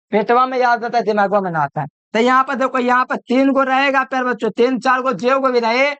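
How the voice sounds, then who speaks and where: A man's voice: extremely high pitch, a bit bright, smooth, no room sound. A man giving a chemistry video lecture, repeating each point and quizzing the listener with call-and-answer questions. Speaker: chemistry teacher. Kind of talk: classroom-style video lecture.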